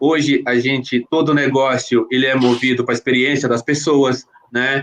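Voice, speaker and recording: Speaking in a medium pitch, a man keeps his intonation monotone and flat at a moderate pace. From Brazil, São Paulo area. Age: 40s. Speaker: business executive. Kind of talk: interview conversation.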